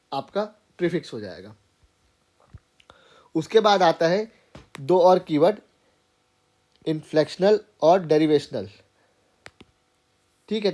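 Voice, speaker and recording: A man whose voice sits high and slightly mellow gives an informal grammar lesson in a classroom. He walks through the material step by step, frequently checking in with his students by saying "theek hai".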